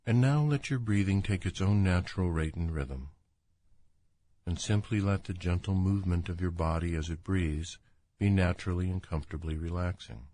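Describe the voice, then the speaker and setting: A man leading a guided imagery relaxation as a doctor, speaking in a calm, soothing, unhurried manner. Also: deep voice. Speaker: doctor guiding a relaxation exercise.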